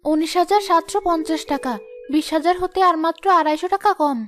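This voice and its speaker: A woman's voice: very high-pitched, fast, faint music behind. An actress playing a devoted, thrifty poor mother in a cartoon, speaking tenderly and patiently. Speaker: seamstress mother. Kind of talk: cartoon voice acting.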